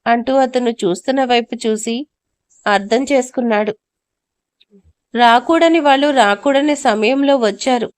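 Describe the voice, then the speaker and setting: A woman narrates a dramatic story in a measured, scripted delivery. Her voice sits a little high. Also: no echo.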